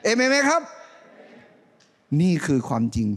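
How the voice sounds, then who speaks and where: A middle-aged male pastor preaches from a church stage, holding a handheld mic. His voice sits fairly high for a man and leaps around a great deal, rising to loud calls and dropping to quiet asides. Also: a little slow. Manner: animated preaching, swinging between loud rising calls and soft low asides. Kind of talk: sermon.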